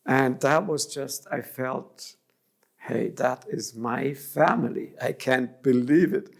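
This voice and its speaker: A creaky, medium-pitched voice at a slow pace belongs to a middle-aged man from Germany. Appearing as an interview guest, he speaks thoughtfully and often restarts phrases mid-sentence.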